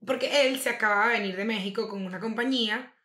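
A woman's voice: fairly high pitch, quick pace, sharp tone. A young woman, gossiping casually as a podcast co-host and laughing often. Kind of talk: casual chat. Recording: roomy echo.

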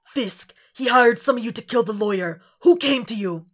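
A woman's voice: on the high side, animated, moderate pace, a bit bright, voice pushed up. A woman voicing a grim, impatient male vigilante in a story reading, with terse and threatening delivery. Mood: menacing.

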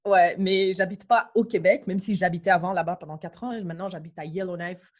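A young woman from Mauritania with a slight English-influenced French accent, co-hosting a podcast in relaxed chat that switches between French and English. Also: on the low side, a little fast. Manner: code-switching, laughs easily. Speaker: podcast co-host.

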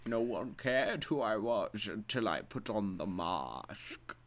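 A man doing a quick impression of a masked male movie villain, in a low, mock-menacing delivery. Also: animated, faint music behind.

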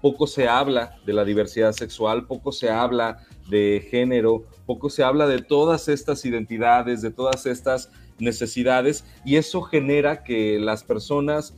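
A man from Mexico whose first language is Mexican Sign Language, giving earnest, measured interview answers with frequent hesitations. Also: medium pitch, darkish tone, soft background music. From Jalisco, Mexico.

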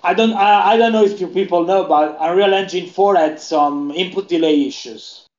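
A man's voice: sits high, normal speed, a little mellow. A man co-hosting a casual gaming chat, talking in long rambling stretches with frequent restarts. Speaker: podcast co-host. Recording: echoey room, dull lo-fi sound.

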